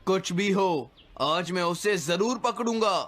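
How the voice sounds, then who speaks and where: High-voiced, bossy cartoon bully boy. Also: slow. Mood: angry, threatening. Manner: domineering, threatening. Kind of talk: dubbed cartoon acting. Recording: loud music behind the voice.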